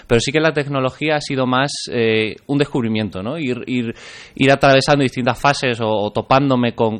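A young man from Extremadura in Spain, speaking as an interview guest in a thoughtful manner with frequent small restarts. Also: fairly low pitch. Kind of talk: interview conversation.

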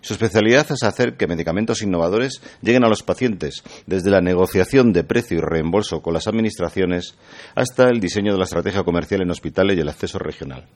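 A man hosting an interview podcast, reading a formal introduction of his guest and then asking relaxed questions. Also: low-pitched, quick pace. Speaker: interview host.

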